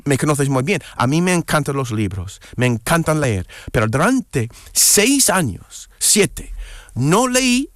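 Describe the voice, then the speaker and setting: Foreign-accented man, halting speech. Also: on the high side, very animated, dry recording, clean studio sound. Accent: foreign, non-native Spanish. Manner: searches for words, many restarts. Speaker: guest, columnist. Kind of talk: casual interview chat.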